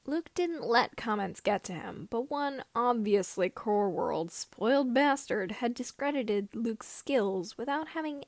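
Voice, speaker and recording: A woman narrating fan fiction like an audiobook, with slightly halting phrasing. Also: fairly high pitch, no echo. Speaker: podfic reader.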